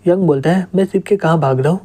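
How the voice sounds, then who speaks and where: A young man narrating a manga story recap, reading out every character's lines in the same steady voice. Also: fairly high pitch, quick pace.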